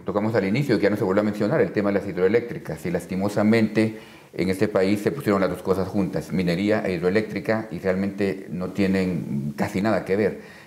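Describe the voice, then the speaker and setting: A man, a guest on a panel debate, who speaks in a measured, persuasive way. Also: low voice, darkish tone, reverberant.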